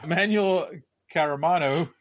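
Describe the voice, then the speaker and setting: A man's voice: on the high side, unhurried. A man hosting a casual podcast chat, rambling and hedging his points and laughing often. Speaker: podcast host.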